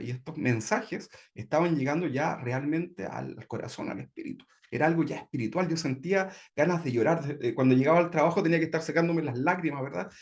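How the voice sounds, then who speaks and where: A man's voice: a little high, darkish tone. A man from Chile sharing his personal testimony in a conversational way, often checking in with tag questions. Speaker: church member giving testimony.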